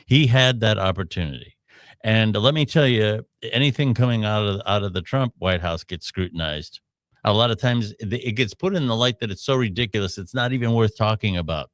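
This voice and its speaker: A man's voice: fairly low pitch, normal speed, a bit bright, no echo, studio quality. A man hosting a live podcast, giving opinionated commentary in a rambling way with frequent restarts. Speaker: podcast host.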